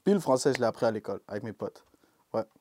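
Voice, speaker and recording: A young man speaks with a Québécois French accent, easygoing and unhurried, sprinkling English slang through his answers. His voice is mellow and warm. The recording is close and dry. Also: mid-range voice, lively intonation, no room sound. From Quebec, Canada. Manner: laid-back, peppered with English slang like "yo" and "bro". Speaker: rapper, interview guest. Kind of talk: casual interview talk.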